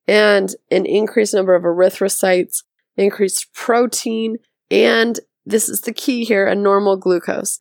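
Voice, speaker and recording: Hoarse woman teaching medicine. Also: medium pitch, dry recording, studio quality. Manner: methodical, thinks aloud step by step. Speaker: podcast host teaching medicine. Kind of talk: explaining a board exam question.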